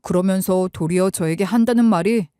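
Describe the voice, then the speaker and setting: Calm woman narrating a story. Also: mid-range voice, a little fast, smooth, dry recording, studio quality. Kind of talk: scripted first-person story narration.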